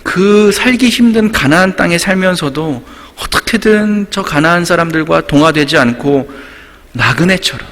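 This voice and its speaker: A man's voice: high-pitched, a bit bright. A man preaching an early-morning prayer sermon as pastor, telling stories and acting out quotes. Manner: storytelling, acts out quotes. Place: church sanctuary. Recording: long reverb of a church hall.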